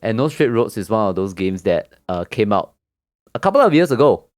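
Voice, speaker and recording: A man's voice: sing-song, fairly quick, darkish tone, no echo, studio quality, faint music behind. A man hosting a casual games talk show, loose and chatty with many fillers and restarts. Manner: mocks angry gamers in a high put-on voice. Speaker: podcast host. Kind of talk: casual group chat about games.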